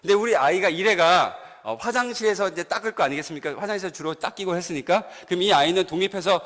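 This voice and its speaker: Korean pastor preaching in a reverberant church. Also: male voice, sits high, fast. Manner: animated storytelling, asks the congregation questions. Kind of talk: sermon. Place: church sanctuary.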